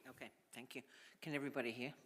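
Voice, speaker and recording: A man's voice: medium pitch, fairly even intonation, rapid-fire, fairly bright tone. Firm New Zealand man addressing council. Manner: firm, pointed, reading from notes. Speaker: submitter to a council hearing. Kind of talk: reading a prepared submission. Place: large council chamber. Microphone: desk microphone. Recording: long reverb of a council chamber.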